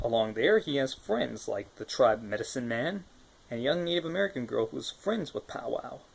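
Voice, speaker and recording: A man's fairly high voice with very wide pitch swings over noticeable background noise. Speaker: animation reviewer. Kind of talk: casual review talk to camera.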